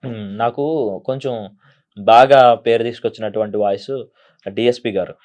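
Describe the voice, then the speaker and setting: A soft-spoken man talks casually as an interview guest, hesitating and filling gaps with ums. His voice sits at an ordinary middle pitch, and he laughs easily between answers. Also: steady tone, moderate pace. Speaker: mimicry artist, guest.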